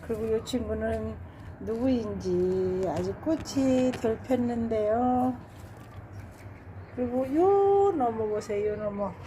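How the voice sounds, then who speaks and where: Slow, fond woman touring her balcony garden. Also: fairly high pitch, mellow, slight background noise. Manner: slow, fond, repeats flower names and sighs of delight. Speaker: home gardener showing her geraniums. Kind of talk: casual garden tour narration. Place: home balcony with plants.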